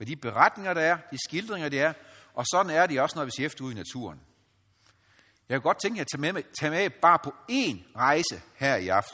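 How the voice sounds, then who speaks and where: A man talks at a fairly quick pace in a fairly high, bright, sharp voice with vocal fry and very wide pitch swings. The recording is very clean, with a silent background. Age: 50s. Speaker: engineer and lay speaker. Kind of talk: lecture.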